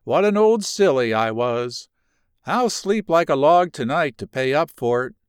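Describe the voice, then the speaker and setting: A man's voice: fairly high pitch, expressive, measured pace, clean tone, no echo, studio quality. A man voicing a folksy old rural neighbor woman who talks in thick backwoods dialect. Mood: relieved.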